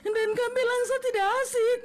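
A woman playing a hurt office worker who speaks tearfully and confronts her teasing colleagues over soft music. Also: very high-pitched, little pitch movement, measured pace. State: crying. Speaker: office worker teased about weight. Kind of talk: amateur comedy skit acting.

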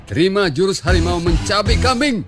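A man playing a scornful giant monster villain in a comic folktale drama, gravelly, shouting and taunting. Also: high voice, expressive, fairly quick. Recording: loud music over the voice.

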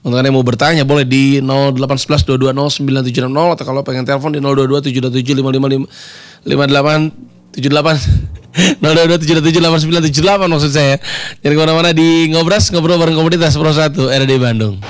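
Guy hosting radio chat, kinda high voice, dry close sound. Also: fairly even intonation, dry recording. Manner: chatty, jokey, quick asides. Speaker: radio host. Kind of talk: radio talk show hosting.

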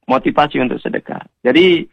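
A male preacher speaks on a radio program, earnest and gently exhorting as he addresses listeners one by one. His voice is a little high for a man and sounds dry and close, with no room around it. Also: brisk, gravelly, breathy edge, no echo, dull audio. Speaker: Islamic preacher (ustaz). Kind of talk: radio sermon answering callers.

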